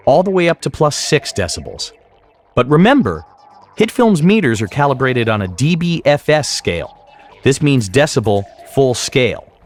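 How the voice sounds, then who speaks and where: Low-voiced man narrating a lively tutorial. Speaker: tutorial instructor. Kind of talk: scripted software tutorial narration.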